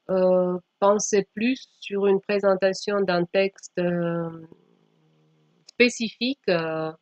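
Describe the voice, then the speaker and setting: A woman from Slovakia, a non-native speaker whose first language is Slovak, giving an academic presentation in a halting way with frequent self-corrections. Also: lowish voice, darkish tone, dry recording. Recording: dull lo-fi microphone sound.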